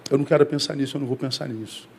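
A man's voice: rapid-fire, vocal fry, a little hiss or hum. A man from Brazil, a pastor giving a conversational sermon to his congregation, calling them brother and acting out quoted voices. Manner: acts out quoted voices, rising to high excited emphasis.

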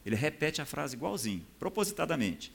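A man's voice: fairly high pitch, sing-song, a little fast, vocal fry, breathy edge. A man preaching a sermon. He teaches from scripture in a conversational way and often checks in with his listeners.

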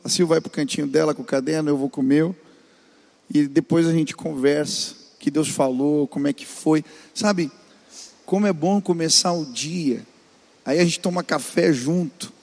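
A man's voice: fairly high pitch, moderate pace, creaky, a little mellow, long reverb tail. A man, a pastor, preaching earnestly on family life and urging the listener directly.

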